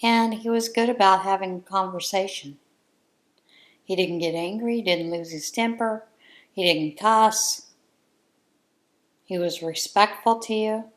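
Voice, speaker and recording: A woman talking slowly and deliberately in a casual chat, as a crafting channel host speaking from home. Her voice sits at an ordinary middle pitch, and she comes across as earnest and heartfelt.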